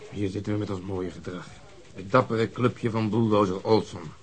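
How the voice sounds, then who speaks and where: An actor playing a gruff, brooding, stubborn police detective in a radio drama, with a grumbling, sardonic manner. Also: male voice, on the low side, steady tone, normal speed, natural voice. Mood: brooding, indignant.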